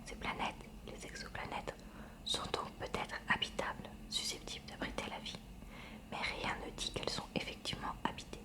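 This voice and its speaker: For an ASMR reading, a woman murmurs her way through a school textbook in a steady library whisper, taking care to pronounce every word in a measured way.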